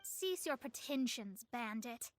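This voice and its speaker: A woman voicing a proud, sharp-tongued young female astrologist in a video game, with formal, theatrical diction. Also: a little high, lively intonation, slow pace, faint music behind. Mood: accusing, confident.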